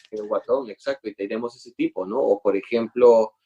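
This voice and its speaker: Speaking with a Lima accent, a man uses a medium pitch and fairly even intonation at a moderate pace, in a dry, close sound with no echo. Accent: Lima Peruvian Spanish. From Peru, Lima. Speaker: Spanish teacher. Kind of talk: interview. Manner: halting, many repetitions and fillers.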